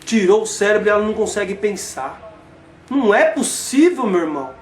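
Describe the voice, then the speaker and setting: Fired-up Brazilian man, high voice. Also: sing-song, brisk, reverberant, a little hiss or hum. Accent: Brazilian Portuguese. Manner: exclaims, asks rhetorical questions, addresses listeners as brother. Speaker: religious commentator. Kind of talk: impassioned religious commentary.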